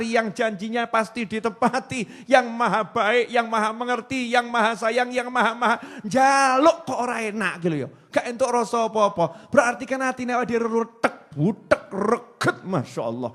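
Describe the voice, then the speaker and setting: Javanese preacher in his forties, high voice, joking sermon style, acts out quotes. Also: fairly bright tone. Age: 40s. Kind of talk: Islamic sermon.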